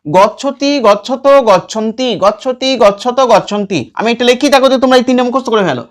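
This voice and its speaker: A man teaching a lesson. He patiently recites verb forms over and over in a slow chant and keeps checking that students follow. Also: very high voice. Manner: checks in with listeners often. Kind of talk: classroom lesson with recitation drills.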